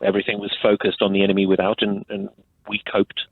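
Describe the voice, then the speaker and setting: Male caller, low voice, hesitant delivery, heard over a tinny phone line. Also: monotone, gravelly. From United Kingdom. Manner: hesitant, halting, many fillers. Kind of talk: radio phone-in call.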